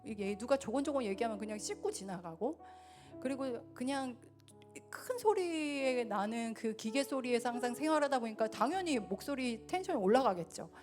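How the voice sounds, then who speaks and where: A woman preaching a sermon in a church, earnest and swelling louder then dropping soft. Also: on the high side. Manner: earnest, rises and falls in loudness. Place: church sanctuary.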